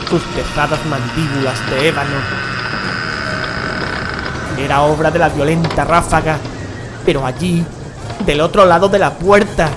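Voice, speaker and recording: An actor playing a horrified gentleman who recounts a gothic tale in solemn, measured, dramatic narration. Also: a little high, lightly acted. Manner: solemn, literary, measured phrasing. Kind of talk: dramatic scripted horror narration. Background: dramatic music.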